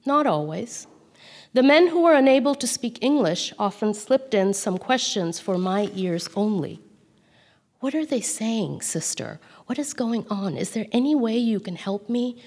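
A woman from Calcutta whose first language is Bengali, reading aloud from her own memoir in a measured, quiet voice. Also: medium pitch, very animated. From Calcutta, India. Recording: long hall reverb.

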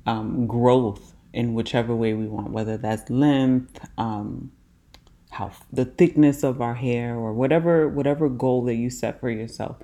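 A woman's voice: a bass voice, vocal fry, mellow. An American woman hosting a podcast, talking in a reflective, conversational way with some fillers. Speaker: podcast host. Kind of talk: casual interview chat.

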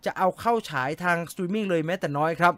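A man with a high, bright voice chats casually with his live-stream viewers, reading their comments aloud and answering with jokes. His voice sits close to the mic in a dry, deadened space. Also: fast, no echo. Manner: chatty, joking, reads comments aloud and answers them.

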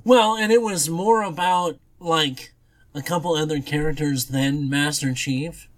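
A man's voice: a little high, measured pace. A man co-hosting a podcast, chatting casually and giving opinions in a conversational way. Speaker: podcast co-host. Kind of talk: casual chat.

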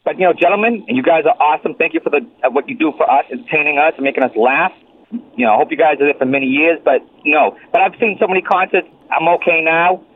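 A man's voice: a little high, quick pace. A male caller on a radio show, heard through an old flip phone, rambling politely through a complaint. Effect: old flip phone call. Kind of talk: call-in radio chat. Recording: tinny flip phone line.

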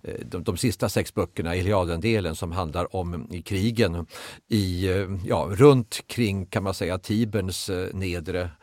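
A man's voice: low voice, a little mellow, no room sound, studio quality. A man speaking as an expert guest in a podcast discussion, lecturing with frequent hesitations.

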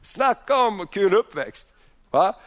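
A man's voice: high-pitched, very animated, fairly bright tone. A man preaching a sermon, often repeating and restarting words and putting questions to his listeners.

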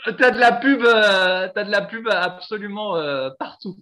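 A man's voice: sits high, normal speed, bright, forceful tone. A man hosting a podcast in casual chat, talkative with lots of fillers and frequent laughter. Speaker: podcast host.

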